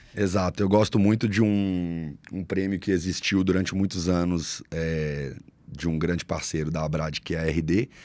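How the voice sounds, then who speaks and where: At a moderate pace, a man with a very deep, low pitch speaks in fairly even intonation on a very clean recording with a silent background. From Brazil, Minas Gerais. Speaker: podcast host, agency founder. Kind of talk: podcast interview.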